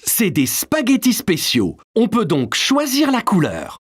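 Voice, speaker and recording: A man voicing a cheerful, playful cartoon dad in a French dub, animated and reassuring, with music behind. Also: sits high, measured pace, slightly rough, full character voice. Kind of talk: French-dubbed preschool cartoon acting.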